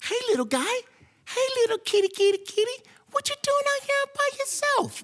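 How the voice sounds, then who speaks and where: A woman uses a squeaky, put-on character voice at an extremely high pitch, speaking at a moderate pace. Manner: whispering, soft and coaxing.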